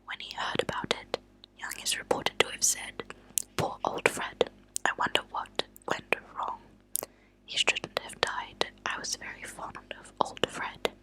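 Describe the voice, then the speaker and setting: A woman reads true crime stories aloud as an ASMR host, whispering slowly and softly in a breathy, unvoiced voice. It's a lo-fi, close-up whispered ASMR recording.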